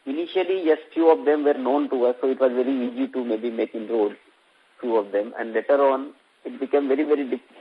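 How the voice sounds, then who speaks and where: A man's voice: mid-range voice, fast, slight background noise. An Indian-accented man, a company executive, explaining emphatically and repetitively as he answers questions on an investor conference call. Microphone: conference call phone line. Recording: muffled, very narrow phone-line audio.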